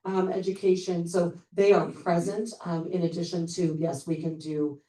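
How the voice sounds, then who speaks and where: Low-voiced woman presenting at a meeting. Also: little pitch movement, moderate pace, dark tone. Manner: upbeat, informal, many fillers. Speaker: charity program representative. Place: public meeting room. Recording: roomy distant meeting-room mic.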